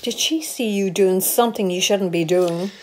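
A woman's voice: medium pitch, normal speed, darkish tone, close to an everyday voice. An actress with an Irish accent playing a woman who gives dramatic, teasing warnings.

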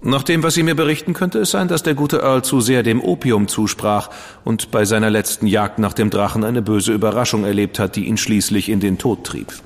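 An actor playing an ironic, theatrical dandy in a radio drama. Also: male voice, fairly low pitch, steady tone, a little fast, natural voice. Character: witty, theatrical male dandy, ironic and fastidious. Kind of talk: German radio drama acting. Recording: long reverb with music behind.

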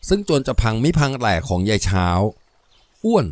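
A man narrating a novel as an audiobook, in an expressive storytelling manner. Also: medium pitch, fast, dry recording.

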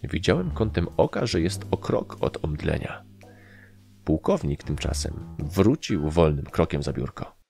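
Brief: male audiobook narrator, low gravelly voice, animated delivery. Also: measured pace. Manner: lively, expressive reading. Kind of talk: first-person story narration.

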